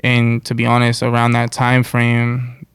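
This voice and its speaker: Man, American accent, casual slangy talk, gravelly yet smooth voice, fairly flat pitch, interview guest. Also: measured pace, dry recording, studio quality. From United States. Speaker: interview guest, musician and producer.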